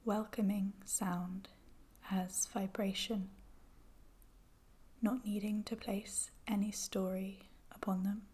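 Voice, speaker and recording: Female meditation guide: hushed, mellow delivery, very even pitch, gentle and soothing, breathy texture. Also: takes it slowly, pauses often. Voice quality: soft, breathy, whispery. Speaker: yoga nidra guide.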